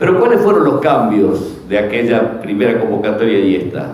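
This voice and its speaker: A man's fairly low voice at a moderate pace, with ordinary pitch variation, audible room echo and noticeable background noise. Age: 60s. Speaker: professor. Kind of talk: public hearing testimony. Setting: legislature auditorium. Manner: formal.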